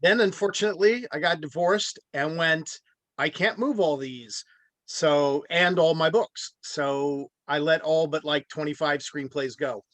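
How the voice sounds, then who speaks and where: A man's voice: on the high side, a little slow, a bit bright, dry recording. A middle-aged man chatting casually on a video call, rambling through anecdotes. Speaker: participant in a virtual table read. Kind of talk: casual chat.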